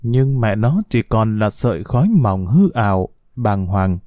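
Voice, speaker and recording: A man narrating a sad story in a slow, heartfelt, expressive way. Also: lowish voice, dry recording, clean studio sound.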